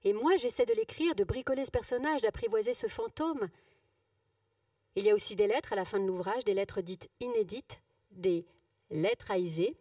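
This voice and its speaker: Warm-voiced woman giving a literary reading. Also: medium pitch, moderate pace, dry recording, clean studio sound, far from the mic. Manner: intimate, expressive, drifting between hushed whisper and raised voice. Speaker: actress reading a novel aloud. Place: live reading event.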